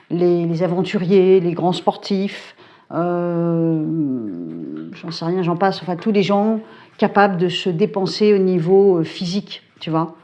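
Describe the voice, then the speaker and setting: A middle-aged woman talking casually to camera, colloquial and brisk, with lots of fillers and hesitations. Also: on the low side, dark tone, lo-fi sound. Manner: chatty, colloquial, frequent filler tags and hesitations; brisk and self-described hyperactive. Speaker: psychic YouTuber. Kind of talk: casual talking-head chat. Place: home.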